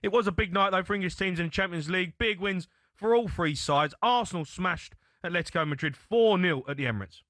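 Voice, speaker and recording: A man's voice: high-pitched, brisk, few pauses, a bit bright, dry recording. A man co-hosting a sports radio phone-in, bantering and teasing callers. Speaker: radio show co-host.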